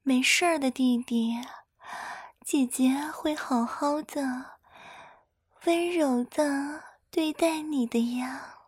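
High, breathy whispering woman. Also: slow, dry recording. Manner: breathy, soft whispering, coaxing. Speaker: roleplay performer voicing an older-sister persona. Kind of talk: intimate whispered ASMR roleplay.

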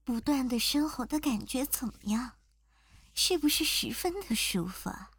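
Woman acting as a mocking cruel rival, fairly high, husky voice, amateur audio role-play. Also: animated, fairly bright tone, dry recording, full character voice. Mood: teasing. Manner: mocking, drawn-out sneers.

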